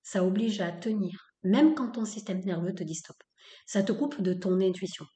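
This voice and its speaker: A female podcast host speaks bluntly and with strong opinions in a spoken episode, leaning on lots of fillers and repeating phrases for emphasis. Her voice is medium-pitched and dark, delivered at a normal speed, with a roomy sound.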